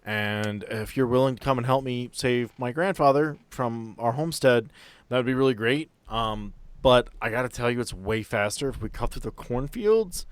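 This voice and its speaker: A man's voice: mid-range voice, normal speed, clean tone, dry recording, close to an everyday voice. Man playing a hesitant, earnest young farm boy. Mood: anxious pleading.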